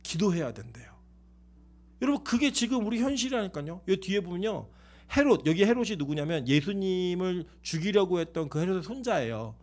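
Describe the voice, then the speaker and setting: A man's voice: sits high, brisk. A man preaching a sermon as pastor, telling stories animatedly, acting out the people in them and putting questions to the congregation before answering them himself. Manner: animated storytelling, acts out quoted people.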